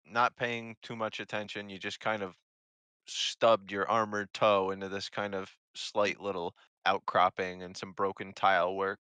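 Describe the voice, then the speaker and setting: Bright-voiced male game master. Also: low-pitched, level tone, a little slow, clean tone, dry recording. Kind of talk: narrating a tabletop game.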